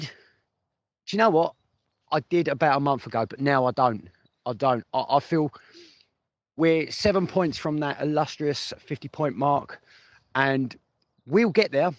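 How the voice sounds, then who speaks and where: A man with a fairly high-pitched voice chats informally about football, thinking aloud and repeating phrases for emphasis. This casual fan-podcast commentary has no echo and was sent as a phone voice message, so it sounds muffled and lo-fi, with noise and clicks.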